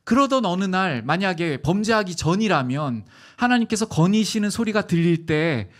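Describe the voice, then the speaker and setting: A man preaching a sermon as pastor, telling stories with animated, acted-out voices. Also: sits high, moderate pace. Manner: animated storytelling, acting out voices. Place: church sanctuary.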